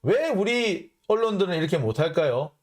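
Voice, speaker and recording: A man hosting a political commentary show, reading out foreign news and mocking it in an animated way. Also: high-pitched, moderate pace. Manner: animated, mocking, acts out blunt quotes. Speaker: host of a political commentary channel.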